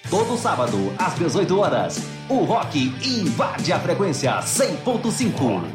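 A woman's voice: on the low side, big pitch swings, unhurried. A woman voicing a punchy scripted rock-radio station promo. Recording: roomy promo over clear guitar music.

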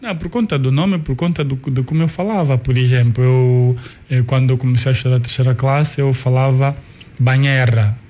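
A man in his forties, whose first language is Kikongo, speaks with an Angolan Portuguese accent in a mid-pitched, dark voice with fairly even intonation. As a guest who is an artist and cultural manager, he reflects on his life story unhurriedly, pausing, restarting, and repeating words as he searches his memory. A faint hiss runs under the recording.

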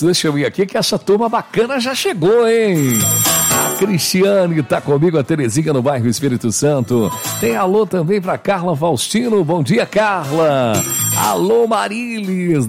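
A man's voice: on the high side, darkish tone. A Brazilian man hosting a morning call-in radio show, chatty and upbeat, greeting listeners by name. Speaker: radio host. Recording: radio studio with music bed.

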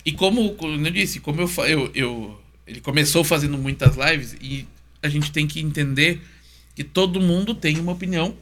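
Bright-voiced man. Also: fairly high pitch, normal speed. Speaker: interview guest. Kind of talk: casual chat.

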